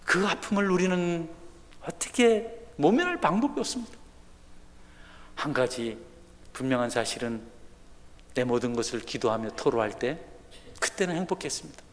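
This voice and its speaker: A middle-aged male pastor preaching a sermon with fervor, rising to loud declarations and dropping to hushed storytelling. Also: a little high, big pitch swings, moderate pace, pauses often. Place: church sanctuary. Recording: church hall reverb.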